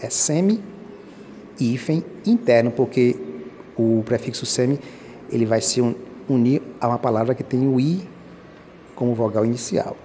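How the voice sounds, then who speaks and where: A man's voice: mid-range voice, normal speed, long pauses, dark tone, a little hiss or hum. A man explaining Portuguese grammar rules step by step as a teacher, patiently repeating key points and speaking directly to viewers. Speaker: teacher commenting on exam questions.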